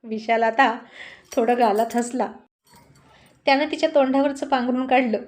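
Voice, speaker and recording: A woman telling a family story aloud in a steady, expressive reading voice. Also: on the high side, normal speed. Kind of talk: story narration.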